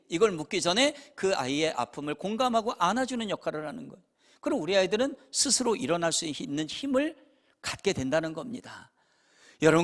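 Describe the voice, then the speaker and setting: Lively high-voiced man preaching. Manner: animated storytelling, acting out parents and children. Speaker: pastor. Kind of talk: revival sermon. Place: church sanctuary.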